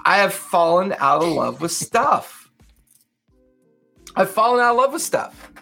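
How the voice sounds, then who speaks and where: With a high-pitched, sing-song voice that's creaky and sharp in tone, a Southern California man in his fifties co-hosts a podcast at an unhurried pace. His casual talk is reflective and rambling, packed with fillers, over faint background music.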